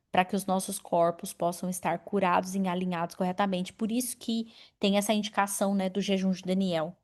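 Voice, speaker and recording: A woman in her forties preaching a sermon in an animated, personal way, calling on members of the congregation by name. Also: mid-range voice. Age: 40s. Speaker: pastor.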